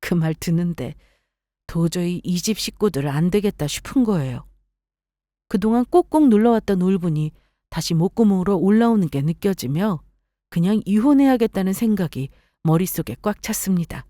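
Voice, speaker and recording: A woman's voice: on the low side, animated, normal speed, mellow, no echo, clean studio sound. A woman narrating a first-person family story in a confiding, scripted storytelling style.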